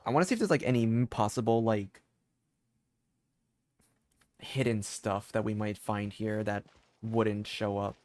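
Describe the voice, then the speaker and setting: A gaming streamer doing casual live commentary, rambling and thinking aloud in an expressive way. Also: medium pitch, unhurried, long pauses.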